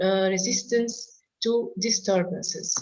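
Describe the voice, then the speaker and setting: A woman talks in a monotone, flat intonation. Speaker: environmental expert and consultant. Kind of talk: panel presentation. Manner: halting, with frequent fillers.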